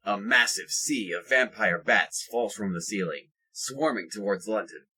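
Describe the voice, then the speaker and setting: A man reading scripted third-person narration for an audio drama in a husky voice. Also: lowish voice, lively intonation, a little slow, sharp tone, poor audio.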